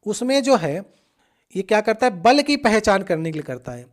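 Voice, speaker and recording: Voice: mid-range voice, sing-song, normal speed. A teacher explaining past exam questions step by step, repeating key points and checking in often with the listener. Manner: patient, repetitive explaining with frequent check-ins. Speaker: exam coach. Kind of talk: exam-prep lesson walking through past questions.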